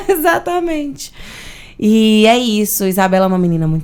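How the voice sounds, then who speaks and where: A woman speaks at a fairly quick pace. It is a plain, everyday voice. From Brazil, Sete Lagoas, Minas Gerais. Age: 20s. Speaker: psychologist and digital influencer. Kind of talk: interview. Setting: web radio studio.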